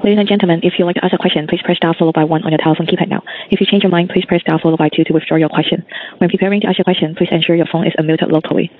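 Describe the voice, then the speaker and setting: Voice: medium pitch, fairly even intonation, rapid-fire. A conference call operator reading scripted instructions over a phone line. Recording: narrow phone line with clear noise.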